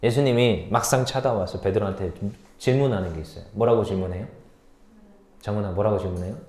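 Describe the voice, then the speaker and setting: A man's voice: lowish voice, quick pace, darkish tone, reverberant. A man, a junior pastor, preaching a sermon in a conversational way and often asking his listeners questions.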